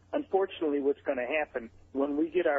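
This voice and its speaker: Fairly high-pitched for a man, this voice is a plain, everyday voice delivered at a fairly quick pace. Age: 60s. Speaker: caller. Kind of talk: casual chat.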